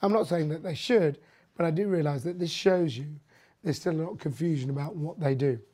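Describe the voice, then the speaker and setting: A podcast host with a husky, hoarse voice, half gone, talking through energy news casually, rambling with lots of fillers and opinionated asides. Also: medium pitch, fairly quick, warm tone. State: hoarse, losing voice.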